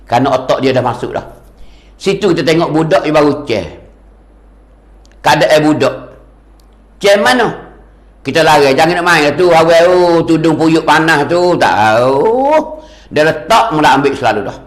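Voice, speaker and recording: A man giving a sermon lecture as a religious teacher, animated and repetitive, his voice rising and falling for emphasis. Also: on the high side, moderate pace, pauses often, echoey room.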